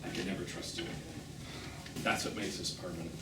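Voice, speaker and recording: A man's voice: low voice, fairly even intonation, quick pace, far from the mic, natural voice. An actor playing a bitter, witty middle-aged gay man on stage, with a theatrical, sardonic, wordy manner. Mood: wounded, quiet. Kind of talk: one-act stage play acting. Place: small theatre, live performance. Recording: roomy, noisy theatre recording from afar.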